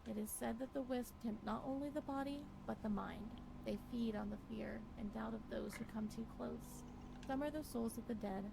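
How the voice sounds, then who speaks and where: Horror visual novel lead: female actor as fearful, brooding wife losing her mind, high and creaky, halting theatrical delivery, noisy track. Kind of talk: dramatic first-person horror game narration.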